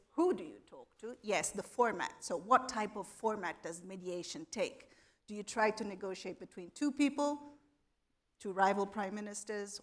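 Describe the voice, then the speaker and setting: A woman on a conference panel works through her argument in an orderly way, naming each point in turn. Her delivery is measured, with a voice of middling pitch. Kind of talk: panel discussion. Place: conference hall.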